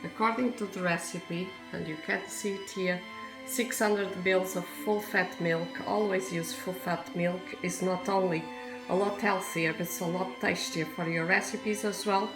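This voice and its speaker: A woman's voice: on the low side, steady tone, moderate pace. A woman from Portugal with a Portuguese accent, chatting casually through a home cooking demonstration, rambling into asides with frequent hesitations. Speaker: home cook. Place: home kitchen. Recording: echoey kitchen with music behind.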